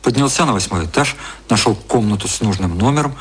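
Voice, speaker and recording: A man narrating an audio drama in a scripted literary style, with a slightly husky voice. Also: on the low side, expressive, fast talker. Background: music.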